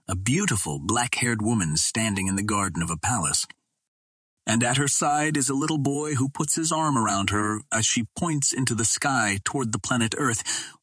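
A man's voice: lowish voice, fairly bright tone, breathy edge, no room sound. A man reading an adventure story aloud as a narrator, in a dramatic first-person storytelling style. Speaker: audiobook narrator.

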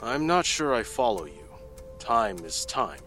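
A man's voice: mid-range voice, sing-song, a little slow, fairly bright tone, faint music behind. A man playing a CIA analyst giving testimony in an audio drama, matter-of-fact and growing incredulous. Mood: skeptical. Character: guarded male CIA analyst under questioning.

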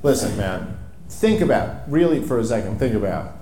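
A man hosts a live political comedy podcast from the stage in a mellow, relaxed tone. He talks informally and emphatically, swearing often, and his voice echoes through the venue with faint noise behind it. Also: medium pitch, moderate pace. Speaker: podcast host.

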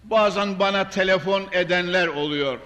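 A man's voice: high-pitched, normal speed, fairly bright tone. An older man delivering a fervent, emphatic sermon at a pulpit microphone in a large mosque, swelling into declamation with Arabic recitation. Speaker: imam preaching. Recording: long mosque hall reverb.

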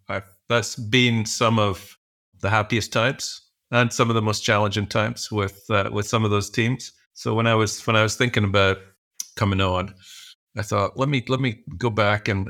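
A man's voice: fairly low pitch, fairly bright tone. A middle-aged man answering interview questions as a guest, thinking aloud with frequent restarts and fillers. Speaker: podcast guest, executive coach.

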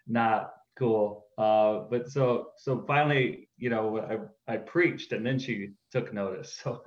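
A man's voice: fairly low pitch, unhurried, highs cut off. Earnest Northern Midwest man, roomy sound. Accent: Northern Midwest American. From upper Midwest of the USA. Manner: earnest, laughs easily, frequent fillers. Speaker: church planter, interview guest. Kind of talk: casual interview conversation.

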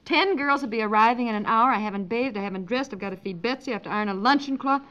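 Aktorka grająca upartą, gadatliwą i roztrzepaną żonę i matkę w komediowym słuchowisku radiowym z lat 50., gubi wątek w pół zdania. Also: female voice, fairly high pitch, racing, sharp tone, lo-fi sound. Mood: frantic. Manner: fussy, scatterbrained, trails off mid-thought. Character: flustered, chatty, stubborn housewife and mother. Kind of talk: 1950s radio comedy acting.

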